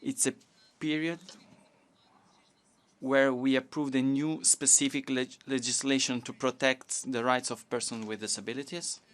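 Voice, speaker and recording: Woman minister, smooth resonant voice, slow careful formal delivery. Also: extremely low pitch, steady tone. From Portugal. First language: Portuguese. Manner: measured, halting delivery with restarts. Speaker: government minister giving a statement. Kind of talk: formal conference speech in a second language.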